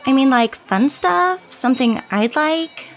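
Casting: picky young girlfriend for audio drama, high voice, very animated pitch, whiny and unhurried. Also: soft background music, a faint crowd. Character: fussy, spoiled young girlfriend, easily disgusted.

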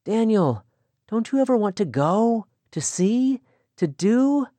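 A man's voice: sits high, very animated, unhurried, a little mellow, no echo, pitched above the performer's own voice. A male audiobook narrator voicing a spirited, restless young Amish woman who talks in an earnest, pleading way. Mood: excited.

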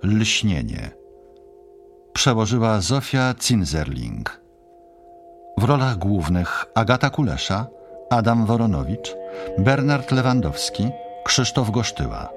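A man's voice: lowish voice, sing-song, takes it slowly, soft background music. A man reading a scripted announcement as an announcer of audiobook credits.

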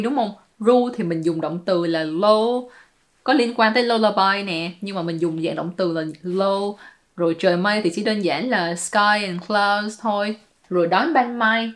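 Chatty woman explaining. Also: medium pitch. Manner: chatty and playful, dropping English words into explanations. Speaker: YouTuber translating song lyrics. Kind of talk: casual explanatory commentary.

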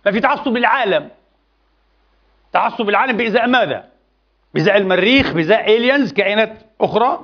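Impassioned high-voiced male preacher. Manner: impassioned, emphatic repetitions. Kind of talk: Friday sermon. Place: mosque. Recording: dull lo-fi sound.

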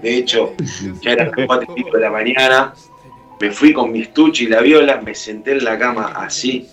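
A man's voice: medium pitch, fairly even intonation, moderate pace, a bit bright, far from the mic, faint music behind. A man with a Rioplatense Spanish accent, a guest musician in an interview, telling a heartfelt story and acting out the dialogue. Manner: heartfelt, acts out quoted dialogue.

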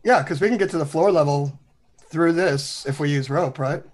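A man's voice: on the high side, moderate pace. A man chatting casually as a player in a tabletop game, thinking aloud about plans.

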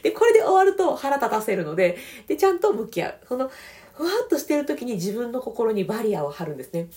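A soft-spoken woman with a Kansai accent talks through everyday advice in a relaxed, casual way. Her pitch rises and falls a lot as she speaks, and her tone is mellow and warm. Light laughs come between her points. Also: fast talker. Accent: Kansai Japanese.

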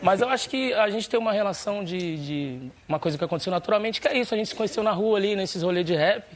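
Fast-talking Brazilian man, high voice. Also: slight background noise. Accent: Brazilian Portuguese. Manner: fast, earnest and informal. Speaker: guest rapper. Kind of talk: casual studio interview. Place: TV studio.

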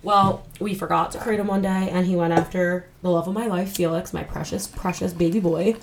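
A woman with a nasal, slightly low-pitched voice talks casually as a podcast co-host. She is candid and informal, and there is faint noise behind her. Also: steady tone, a little fast, vocal fry. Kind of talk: casual chat.

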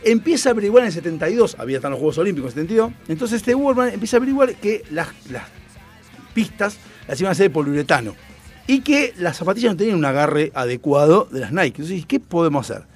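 A man's voice: sits high, very animated, fast, slightly rough, soft background music. A young man with a Rioplatense Spanish accent telling a story in casual, crude slang and acting out quotes. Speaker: storyteller host.

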